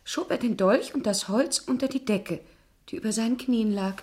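High-voiced, earnest woman witness played by an actress. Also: normal speed, a little mellow, natural voice. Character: confirming female witness, a villa resident. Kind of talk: German radio crime drama acting.

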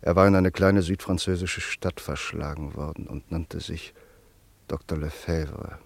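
An actor playing a sombre narrator in a radio drama, grave and deliberate as he recalls a friend's fate. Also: very deep voice, fairly even intonation, gravelly, slightly rough, exaggerated voice.

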